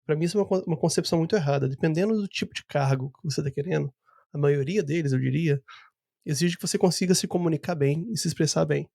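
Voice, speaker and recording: A man hosts the conversation, talking quickly in a slightly high voice. He lays out his opinions at length, sounding close and dry. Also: creaky, darkish tone, no echo. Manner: explains things in long, opinionated turns. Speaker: podcast host. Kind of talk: casual interview talk. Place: Vancouver.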